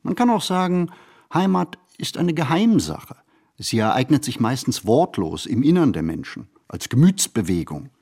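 A man reads a reflective literary monologue for a radio play, phrasing deliberately and expressively with pauses. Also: mid-range voice, big pitch swings, darkish tone, husky.

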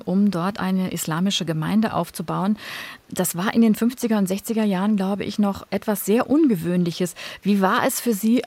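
Radio host lady, clear friendly questions, dry close studio mic. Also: mid-range voice, a little mellow, no echo. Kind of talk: radio interview.

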